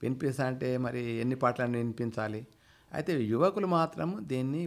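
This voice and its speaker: A man uses a normal speaking voice, medium in pitch, with pitch that varies in an ordinary way. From Telangana, India. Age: 60s. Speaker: retired veterinary assistant and poet; poet. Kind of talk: radio interview. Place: studio. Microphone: studio mic.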